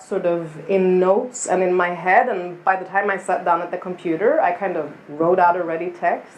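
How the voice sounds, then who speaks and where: A woman with a Swedish accent, medium in pitch, at a fairly slow pace. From Sweden. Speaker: professor on writing panel. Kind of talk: panel discussion.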